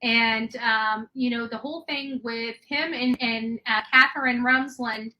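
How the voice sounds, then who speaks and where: A woman's voice: fairly high pitch, fairly even intonation, unhurried, highs cut off, slight background noise. A woman hosting a true crime call-in show, talking at length and often restarting her sentences. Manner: rambling, with many restarts. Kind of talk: live call-in chat.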